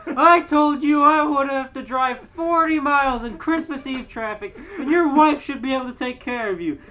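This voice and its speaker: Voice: high-pitched, moderate pace, bright, forceful tone, slight background noise, pitched above the performer's own voice. A podcaster playing an exasperated grown man who rants furiously in a comedic story reading. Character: exasperated, ranting grown man blowing his stack.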